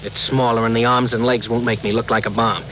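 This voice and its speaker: A man's voice: medium pitch, level tone, fairly quick, a bit bright, a little hiss or hum, natural voice, rough recording. An actor playing an eager, earnest young male crewman in a 1950s radio drama, respectful toward his captain. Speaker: ship's officer.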